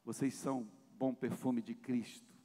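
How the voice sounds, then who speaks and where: A man preaching a sermon to his congregation at a family seminar, speaking with passion and often swelling in loudness. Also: medium pitch, level tone, unhurried. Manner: addresses congregation directly. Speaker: pastor. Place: church hall. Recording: long church reverb.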